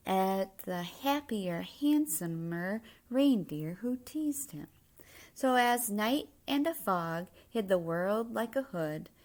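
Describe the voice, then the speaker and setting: A woman reading a children's picture book aloud, with measured, expressive storytelling in rhyme. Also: medium pitch. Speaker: story reader.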